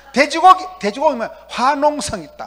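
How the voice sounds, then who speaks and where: Very wide pitch swings mark a man's animated voice. Light background noise is present. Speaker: pastor. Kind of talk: sermon. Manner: humorous colloquial. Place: church. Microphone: handheld.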